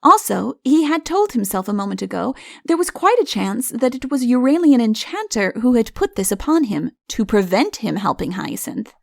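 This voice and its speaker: A woman's voice: fairly high pitch, sing-song, moderate pace, creaky, few pauses, dry recording, clean studio sound. A woman reading a comic fairy tale as an audiobook narrator, in scripted storytelling style.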